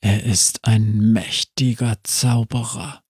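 A man voicing a weary, fearful male zombie who speaks slowly in a low murmur, sometimes whispered. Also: steady tone, darkish tone, husky, dry recording, clean studio sound.

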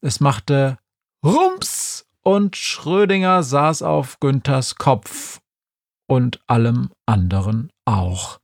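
A man narrating a children's audiobook in a wry, deadpan storytelling manner. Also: mid-range voice, very slow, no echo, studio quality.

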